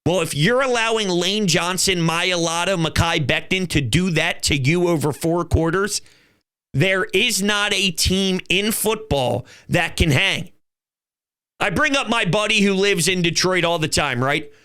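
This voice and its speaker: A man's voice: high-pitched, measured pace, sharp tone, clean tone. A man hosting his own fan channel, talking football in an emphatic, fired-up way and swearing now and then. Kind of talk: fan commentary vlog.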